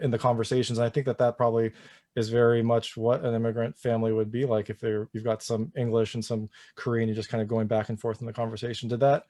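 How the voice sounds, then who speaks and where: A man's voice: medium pitch, dark tone, no room sound, clean studio sound. A man interviewing actors in a casual chat, rambling and using many filler phrases as he asks questions. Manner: rambling, heavy use of "you know".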